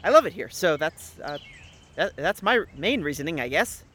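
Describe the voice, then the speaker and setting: A man's voice: a little high, very animated, moderate pace, sharp tone, breathy edge, heavily acted. An actor playing an eager, awkward young male church camper who stumbles hesitantly through his words in an audio drama. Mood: eager, nervous. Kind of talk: naturalistic audio drama dialogue. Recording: outdoor background noise with birdsong.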